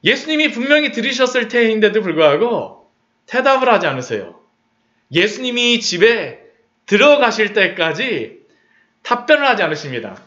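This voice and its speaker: A male pastor preaching a sermon in a church, asking his listeners questions and acting out the cries of people in the story. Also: sits high. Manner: animated, asks rhetorical questions; acts out quoted cries. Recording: dull lo-fi sermon recording.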